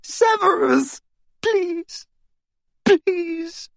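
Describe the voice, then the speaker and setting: A man's voice: extremely high pitch, animated, drawn-out words, gravelly, fairly bright tone, no room sound, pitched above the performer's own voice, full character voice. A man voicing a terrified captive woman pleading in a cracked voice.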